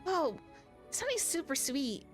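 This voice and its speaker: A woman's voice: high voice, very animated, measured pace. A woman voicing small, earnest, sweet-loving girls in a cooking game with an eager, cutesy manner. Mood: delighted. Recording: music behind the voice.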